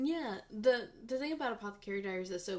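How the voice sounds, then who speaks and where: Talking at a very fast pace, a woman with a slight Texas accent has a medium pitch and very wide pitch swings. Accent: slight Texas twang. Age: 20s. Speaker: voice actress. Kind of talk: interview conversation. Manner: casual, filler-heavy.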